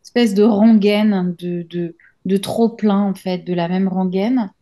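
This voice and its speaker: A woman's voice: medium pitch, fairly even intonation, slow pace, dark tone. A woman in her thirties giving a reflective interview as an author, thinking aloud with many hesitations and restarts. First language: French. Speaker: interview guest, journalist and author.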